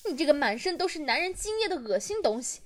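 A woman's voice: high voice, sing-song, fast. Woman acting a cursing, taunting young brawler. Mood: shouting. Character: foul-mouthed young woman in a catfight. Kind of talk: amateur audio role-play.

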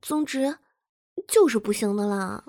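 A woman's voice: medium pitch, measured pace, dark tone, no echo, clean studio sound, close to an everyday voice. A woman voicing a playful, bratty young girlfriend who teases and pouts in a coy, whiny way. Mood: coy protest. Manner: coy and teasing, whiny pouting. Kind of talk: audio role-play drama.

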